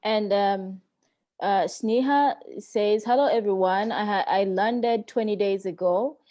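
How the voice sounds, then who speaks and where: Moderator woman with a mellow voice, reading audience questions over a dull, lo-fi call line. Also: medium pitch, a little slow. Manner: reads questions aloud, brief acknowledgments. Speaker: chat moderator.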